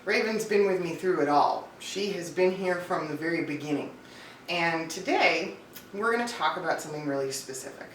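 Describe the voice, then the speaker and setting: A woman's voice: lowish voice, expressive, normal speed, a bit bright. A woman hosting an advice vlog as a voice-over coach, talking to listeners in a chatty, emphatic, informal way. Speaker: host, voice-over coach and casting director. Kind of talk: scripted-feeling advice vlog to camera. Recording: roomy echo, distant mic, faint noise.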